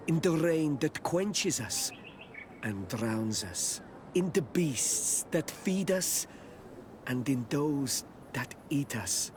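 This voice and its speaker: Slow, guarded tribal village man. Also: mid-range voice, background noise. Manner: terse, formal, halting phrasing. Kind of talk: video game dialogue.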